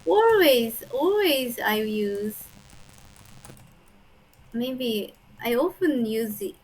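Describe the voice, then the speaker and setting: A woman's voice: fairly high pitch, animated, very slow, a little mellow, poor audio. A native Japanese woman with a Japanese accent, a teacher practicing her English in casual conversation, speaking hesitantly.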